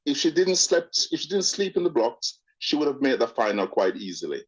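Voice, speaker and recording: A man's voice: medium pitch, very animated, a little fast, husky. A man from Jamaica with a blend of Jamaican and British speech calls in to a show, chatting in a casual, opinionated way. He often restarts his sentences and repeats words before getting to the point. His voice arrives over a dull, narrow-sounding phone line. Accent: Jamaican with British mix. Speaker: caller. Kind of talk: casual call-in chat.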